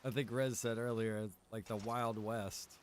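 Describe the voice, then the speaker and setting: Casual man livestreaming, clear background noise. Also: fairly low pitch, flat delivery, measured pace. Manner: laid-back, rambling, slangy. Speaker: game livestreamer. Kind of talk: casual livestream commentary, chatting with viewers. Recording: clearly noisy, background ambience.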